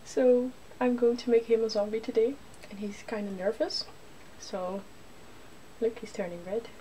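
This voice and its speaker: A woman hosting an ASMR video, softly whispering in a breathy, playful way as she talks through what she is doing. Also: fairly high pitch, fairly even intonation, moderate pace, a little hiss or hum, rough recording. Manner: playful, giggly. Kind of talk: ASMR, softly narrating a face-paint makeover.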